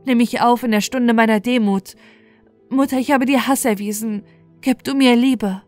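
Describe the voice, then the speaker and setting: A woman's voice: a little high, steady tone, normal speed, a little mellow, natural voice. A woman voicing a remorseful, humble young prince who pleads emphatically in a fairy tale, with music behind. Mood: remorseful pleading.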